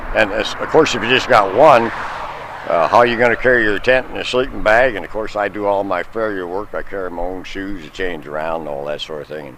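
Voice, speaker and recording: At a fairly quick pace, a man with a fairly low pitch and lively intonation talks over noticeable background noise. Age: 70s. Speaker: long-distance horseback rider raising hunger awareness. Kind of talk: interview answer. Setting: outdoors.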